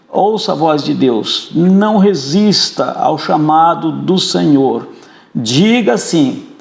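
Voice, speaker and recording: Amid audible room echo, a man speaks in a high pitch with lively intonation. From Brazil, Bahia, raised in Amazonas. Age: 60s. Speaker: pastor and missionary. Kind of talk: exhortation; interview testimony.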